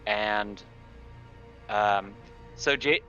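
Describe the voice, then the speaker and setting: Slow, bright-voiced man gaming. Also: fairly low pitch, dull audio, soft background music. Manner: hesitant, thinks out loud. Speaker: tabletop game player. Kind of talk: casual game chat.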